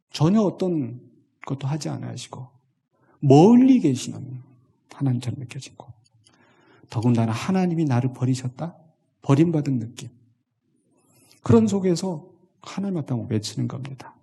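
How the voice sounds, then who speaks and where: A man preaching a Sunday sermon, reading scripture slowly and with feeling in an animated manner. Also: on the high side, gravelly, slightly rough. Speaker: pastor.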